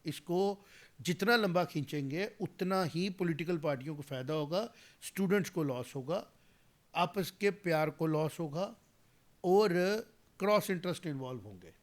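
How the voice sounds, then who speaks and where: High-voiced man in his forties, heated. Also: lively intonation, moderate pace. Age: 40s. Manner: emphatic, rising to heated argument; mixes English phrases into speech. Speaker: guest commentator. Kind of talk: political interview.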